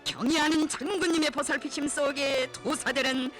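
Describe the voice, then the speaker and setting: High-pitched North Korean male propaganda narrator. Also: fairly even intonation, normal speed. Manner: reverent, solemn, emotive declamation. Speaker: documentary narrator. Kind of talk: scripted propaganda film narration. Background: music.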